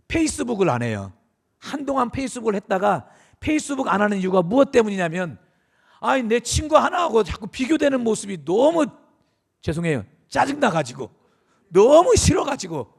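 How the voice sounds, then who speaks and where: A middle-aged man preaches to his congregation in a church sanctuary. His voice sits high and carries a gravelly edge. He speaks earnestly and confessionally, turning again and again to address his listeners. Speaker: pastor. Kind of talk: sermon.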